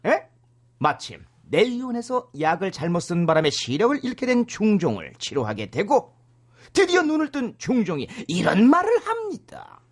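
A man's voice: high voice, huge pitch swings, normal speed. A man hosting and narrating a drama plot comically, theatrical with chatty asides. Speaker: narrator and host.

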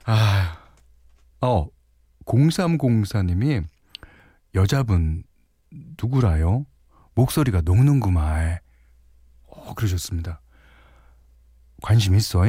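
A man hosting a radio show, relaxed and chatty, often chuckling as he reads listener messages and narrates a story. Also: lowish voice, slow, pauses often, husky, dry recording, clean studio sound. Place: radio studio. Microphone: studio microphone.

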